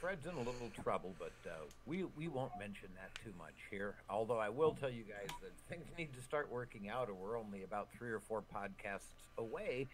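A man's voice: fairly low pitch, lively intonation, brisk, hardly any pauses, crowd noise, low-quality recording. A man hosting a podcast, talking casually with wry asides. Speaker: podcast host. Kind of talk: casual chat.

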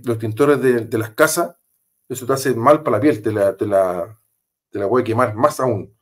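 A man with a Chilean accent tells a story as an interview guest, in a middle-pitched voice. He talks emphatically, repeats his phrases and uses casual slang. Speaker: interview guest, former police officer.

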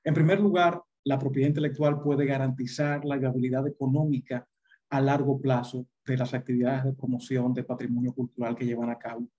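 Mellow, husky man lecturing. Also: mid-range voice, little pitch movement. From Dominican Republic. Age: middle-aged. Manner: measured, formal. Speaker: guest lecturer, lawyer. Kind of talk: formal webinar presentation. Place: indoor room on a video call. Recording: dull video-call audio.

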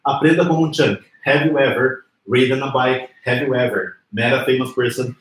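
A man's voice: medium pitch, steady tone, moderate pace. Brazilian man teaching in an echoey room. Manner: conversational, didactic, with rhetorical questions and tag checks. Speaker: English teacher and live stream host. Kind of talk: informal live lesson mixing explanation and examples. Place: small indoor room with whiteboard. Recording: roomy, echoing indoor sound.

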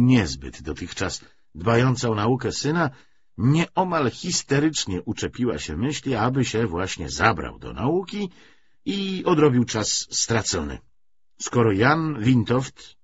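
A man narrating a literary audiobook in a measured, expressive way. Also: fairly low pitch, highs cut off, a little hiss or hum.

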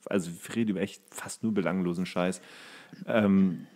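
A man's voice: sits low, steady tone, normal speed, a little mellow. A man co-hosting a podcast, chatting casually in a rambling, colloquial way with coarse slang. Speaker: podcast co-host. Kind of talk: casual chat.

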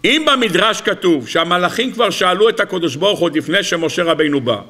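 A man, a rabbi, teaching a Torah lesson to an audience, firing rhetorical questions in a teasing, animated way. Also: high-pitched.

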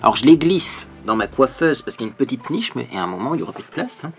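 A man's voice: medium pitch, very animated, fast, slight background noise. A man, a beauty youtuber, chatting casually and animatedly while unboxing a parcel, full of fillers.

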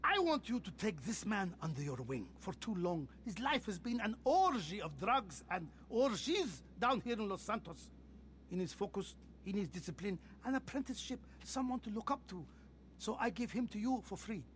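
An actor playing a pompous, jovial, middle-aged rich car collector with an Arab accent and a theatrical manner in a video game. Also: male voice, sits high, moderate pace, a little hiss or hum. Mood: exasperated, bossy. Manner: theatrical, grandiose, animated. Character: flamboyant wealthy car collector, male, pompous, jovial, bossy older cousin. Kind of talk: video game cutscene acting.

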